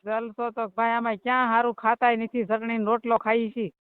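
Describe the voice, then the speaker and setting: Middle-aged female caller, Kathiyawadi accent, plaintive and plain-spoken, smooth voice through a narrowband phone line. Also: on the high side, flat delivery, brisk. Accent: Kathiyawadi Gujarati. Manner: plaintive, recounting hardships. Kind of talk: informal phone conversation. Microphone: phone call. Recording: band-limited phone call recording.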